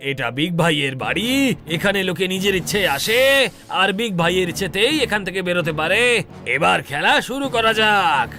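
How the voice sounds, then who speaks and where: A man's voice: sits high, expressive, moderate pace, sharp tone, heavily acted. A man voicing a bossy, mocking, menacing game-show master in a dubbed cartoon, with a pompous announcer-like delivery. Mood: pompous welcome.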